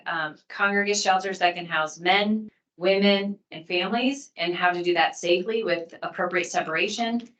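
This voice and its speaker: Woman, city official, low voice, plain-spoken briefing, echoey meeting room. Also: a bit bright, far from the mic.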